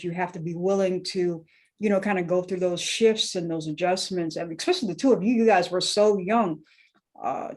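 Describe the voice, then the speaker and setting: A woman's voice: on the low side, a little mellow. A woman hosting a podcast who asks questions in an affirming, conversational way. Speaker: podcast host. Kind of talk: podcast interview.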